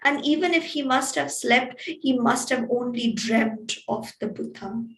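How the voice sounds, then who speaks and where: A woman wellness coach telling a story slowly and deliberately in a talk. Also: on the high side, a bit bright. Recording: echoey room, distant mic.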